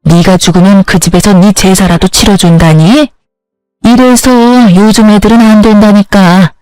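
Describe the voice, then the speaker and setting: A woman's voice: medium pitch, steady tone, normal speed, a little mellow, smooth, no echo, natural voice, poor audio. A spiteful older mother-in-law from a narrated story, read by a woman, heaping contempt on her daughter-in-law. She sounds dry and close, with faint music underneath. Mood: scornful. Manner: insulting, contemptuous scolding.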